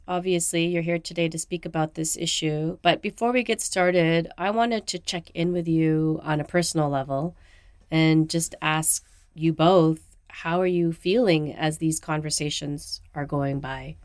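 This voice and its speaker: A low-pitched woman host speaks in a calm, gentle voice. She reads the introductions with care and then eases into her first question. The studio sound is close and dry. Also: measured pace, clean tone, no echo. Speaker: radio host. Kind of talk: scripted introduction and interview.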